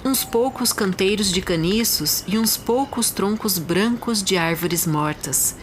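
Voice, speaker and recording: A woman with a Brazilian accent narrating a classic short story as an audiobook, in a measured, expressive literary reading. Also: on the low side, slight background noise. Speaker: podcast host and literary narrator. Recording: music behind the voice.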